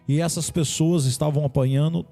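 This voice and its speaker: Very dark-voiced gravelly host. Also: male voice, fairly high pitch, steady tone, fairly quick, soft background music. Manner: checks details with questions, preacherly appeals to viewers. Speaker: host of a religious live stream. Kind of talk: live-stream interview and exhortation.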